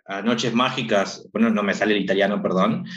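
A man in his thirties from Argentina, with an Argentine accent, talking casually as a guest and filling his pauses with "este". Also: lowish voice, steady tone, fairly bright tone, highs cut off. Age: 30s. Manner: rambling, lots of filler "este". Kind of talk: casual chat.

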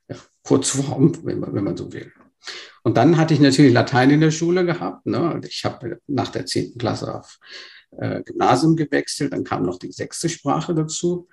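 Gravelly man born in Burma, hesitant. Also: medium pitch, darkish tone. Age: 50s. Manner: hesitant, many fillers and restarts. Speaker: interview guest. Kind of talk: conversational interview storytelling.

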